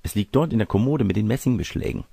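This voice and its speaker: Ein Mann spricht eine hochmütige, empörte alte adlige Großmutter in einem Märchen, würdevoll und protestierend. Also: male voice, on the low side, lively intonation, fast, creaky, warm tone, slightly rough, no echo, pitched above the performer's own voice, exaggerated voice. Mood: bargaining. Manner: prim, dignified, protesting. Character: haughty, indignant old noble grandmother.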